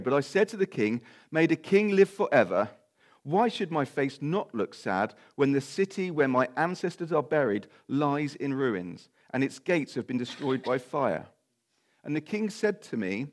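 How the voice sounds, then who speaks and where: A man with a fairly high voice preaches a sermon and reads scripture aloud, sounding croaky and slightly nasal from a cold. He adds informal asides along the way.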